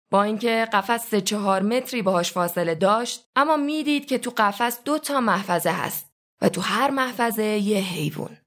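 A woman reading a novel aloud as a narrator, in scripted narration. Her delivery is steady and even, with a middle-pitched voice.

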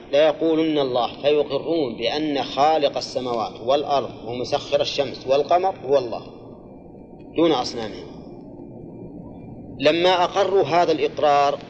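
A man's voice: medium pitch, muffled recording. An older man teaching a grammar and exegesis class, explaining step by step, repeating key phrases and quizzing his students. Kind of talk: classroom lesson with questions to students.

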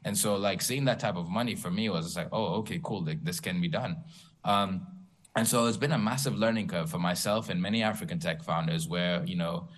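A man's voice: low-pitched, brisk. A young man, a tech founder on a panel, telling his story candidly with self-deprecating humor. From Tanzania. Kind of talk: panel talk.

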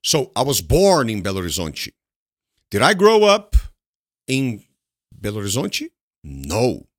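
Brazilian man with a Brazilian Portuguese accent, a low voice and a dry, close sound, teaching English and drilling students with questions and repeated words. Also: wildly swooping pitch, no room sound. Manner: repeats words slowly, asks students questions and answers them himself. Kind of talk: English lesson mixing in Portuguese explanations.

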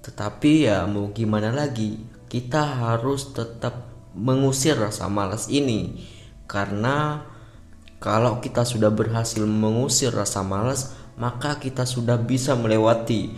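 A man's voice: medium pitch, a little slow. A man with a Javanese accent and a slight Madurese lilt, hosting a casual podcast monologue. He talks in a chatty, joking way and often asks himself questions and answers them. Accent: Javanese with Madurese touches. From Java. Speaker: podcast host. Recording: roomy echo with faint music behind.

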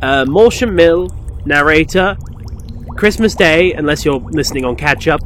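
Man playing a slow, theatrical pantomime wizard. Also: on the high side, expressive, a bit bright. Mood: evasive, persuading. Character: Merlin, theatrical male wizard, hesitant and scheming. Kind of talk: pantomime radio acting. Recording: long hall reverb, music underneath.

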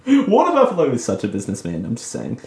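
This is an Australian man hosting a casual solo radio show. He chats loosely and mocks himself, and he laughs often. His pitch swings widely, and his voice carries an echo from the room. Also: wildly swooping pitch, fast, gravelly. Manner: chatty, self-mocking, laughs often. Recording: echoey room.

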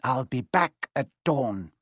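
A man's voice: mid-range voice, animated, takes it slowly, a bit bright, slightly rough, no room sound, exaggerated voice. A man voicing a spiteful, gloating caretaker with a cold, sneering, menacing manner in an audiobook story. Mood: cold, nasty.

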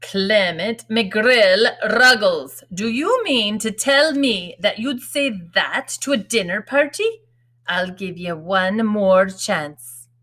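A woman's voice: medium pitch, animated, takes it slowly, a bit bright, pitched above the performer's own voice. A woman voicing a proud, fussing working-class mother who drills and scolds her children in folksy, ungrammatical speech in a storybook reading. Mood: strict, drilling.

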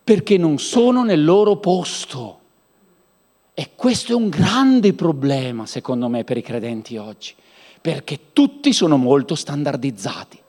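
A man preaching a lively sermon, acting out people in comic voices. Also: unhurried. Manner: animated, mimics people in high comic voices. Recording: long hall reverb.

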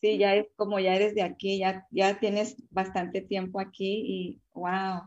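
A woman's voice: medium pitch, level tone, unhurried, darkish tone, lo-fi sound. A woman hosting a casual panel chat, chatty and full of fillers and exclamations. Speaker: host.

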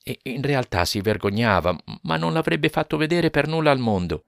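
A man's voice: mid-range voice, expressive, moderate pace, creaky, no echo, studio quality, voice pushed up. A man voicing an anxious husband who pleads his case and raises his voice in protest. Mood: weary, earnest. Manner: earnest, raising his voice in protest.

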